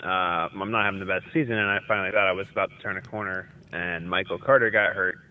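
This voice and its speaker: A man's voice: low voice, fairly even intonation, quick pace. A man leaving a casual, conversational voicemail as a caller, heard over a tinny phone line.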